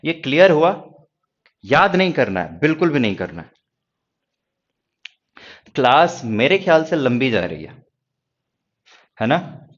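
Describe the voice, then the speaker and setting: A man's voice: medium pitch, sing-song, a little slow, pauses often, highs cut off. Reassuring Hindi-accented male teacher. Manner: reassuring, talks straight to students with rhetorical questions. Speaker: stenography teacher. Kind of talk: classroom lecture.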